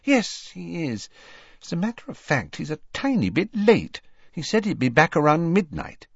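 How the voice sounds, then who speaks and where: A man voicing an anxious, fussy middle-aged witch mother who speaks in a stern, high-pitched way. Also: big pitch swings, normal speed, vocal fry, husky, no room sound, exaggerated voice. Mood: flustered. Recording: dull, dry lo-fi recording.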